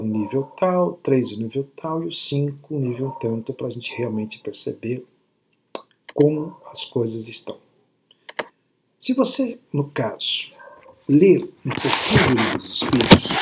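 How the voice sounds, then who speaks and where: A man's voice: mid-range voice, a little mellow, a little hiss or hum. Teacherly older man giving a lecture. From Brazil. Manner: teacherly, frequent tag questions. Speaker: spiritist lecturer. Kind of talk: online spiritist lecture. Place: home room at night. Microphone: laptop webcam video call.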